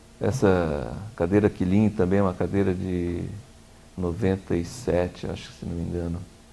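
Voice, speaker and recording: A man talks at a moderate pace with a very deep, low pitch and big swings in loudness. Audible room echo surrounds his voice. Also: ordinary pitch variation. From interior of São Paulo state, Brazil. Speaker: furniture designer. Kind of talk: lecture.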